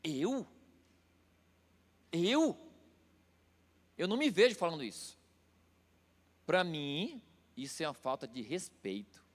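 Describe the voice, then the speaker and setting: A middle-aged Brazilian man preaching a sermon as pastor, emphatic and repeating phrases slowly for stress. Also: a little high, sing-song, in a large hall. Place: church hall.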